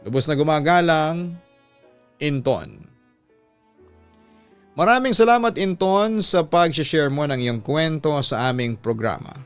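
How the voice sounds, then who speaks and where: A man's voice: fairly high pitch, clear, resonant tone. A man hosting a story programme, narrating a listener's letter in a dramatic storytelling style. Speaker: host of a story-reading radio programme. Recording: music bed under the voice. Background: music.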